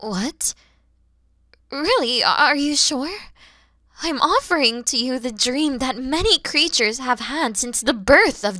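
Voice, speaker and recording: Centuries-old dragon mother played by a woman for ASMR roleplay: proud but kind, unhurried, very expressive pitch, breathy touches. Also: no room sound, full character voice. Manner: breathy, often dropping into whispers, theatrical pauses.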